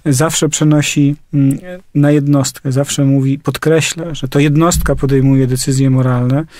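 A man's voice: mid-range voice, little pitch movement, a little slow, warm tone, no echo. A man from Poland hosting an interview, asking thoughtful questions and adding his own commentary with qualifying phrases. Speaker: interviewer host.

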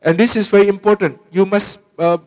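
A preachy, earnest lecturer with a thick South Asian English accent , put on by a man mid-talk. He stresses each point and slows right down to insist you pay attention. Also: high-pitched, fairly even intonation, darkish tone, faint music behind, voice pushed up, natural voice. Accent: South Asian English, imitated. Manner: earnest, emphatic, instructive.

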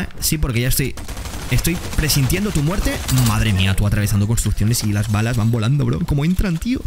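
A man giving excitable, slangy commentary while playing a game. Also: mid-range voice. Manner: excitable, slangy, quick exclamations to opponents. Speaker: gaming streamer. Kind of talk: gameplay commentary. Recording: gameplay noise and gunfire behind.

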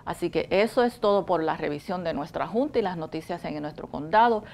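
A woman's voice: fairly low pitch, brisk, slight background noise. Middle-aged woman hosting a TV show. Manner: chatty, warm-toned studio host, uses Spanglish. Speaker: TV show host. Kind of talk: community TV news and interview. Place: TV studio.

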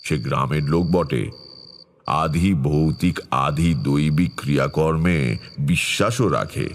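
A man playing a grave, caring tantric storyteller in a dramatized horror audio story, speaking in a measured, solemn way. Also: extremely low pitch, full character voice. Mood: grave, brooding. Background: background music.

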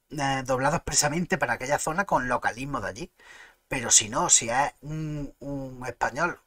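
A man's voice: medium pitch, fairly bright tone, dry recording. A man with an Andalusian Spanish accent, streaming and chatting casually, arguing his points emphatically and restarting words mid-flow. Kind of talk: casual live-stream chat.

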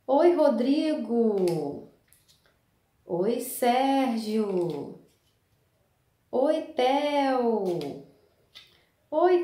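A Brazilian woman teaching a preschool class, speaking gently and singing children's songs in a drawn-out, sing-song way. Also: medium pitch. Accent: Brazilian Portuguese. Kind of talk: slow, sing-song lesson for small children. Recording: echoey room.

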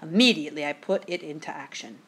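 A woman's voice: low voice, fairly bright tone, slightly rough, voice pushed down. Woman reading as a suspenseful father storyteller. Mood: resolute. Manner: suspenseful, drawn-out telling. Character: dramatic father storyteller, quick-witted, teasing, spinning ghost tales.

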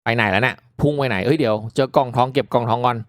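A man's voice: medium pitch, racing, no room sound, clean studio sound. Casual man doing game commentary. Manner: excitable, reactive exclamations, polite particles to viewers. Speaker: gaming video host.

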